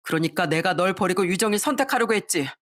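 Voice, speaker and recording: A woman's voice: lowish voice, animated, fast talker, fairly bright tone. Shallow young man, smug and dismissive, voiced lightly by a woman narrator.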